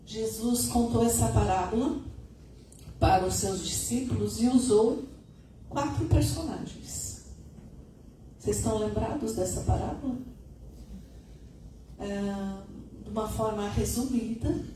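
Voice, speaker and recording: Hoarse woman lecturing in an echoey room. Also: a little high, measured pace, pauses often, recorded from a distance. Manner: conversational, adds tag questions. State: hoarse, voice still recovering. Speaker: spiritist lecturer. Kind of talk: spiritist lecture. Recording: echoey room, recorded from afar, noisy.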